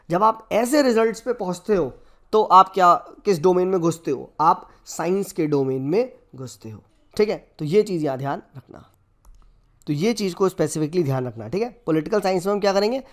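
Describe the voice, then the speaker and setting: A man's voice: high voice, lively intonation, moderate pace. A man teaching a classroom lecture that mixes Hindi and English. He asks rhetorical questions and keeps checking that the class is following.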